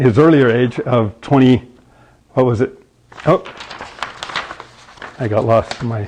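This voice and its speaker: A man's medium-pitched voice at a moderate pace, ordinary pitch variation, long and frequent pauses, and noticeable background noise. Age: 60s. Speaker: fitness instructor. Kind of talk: live stream Q&A. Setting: live video stream.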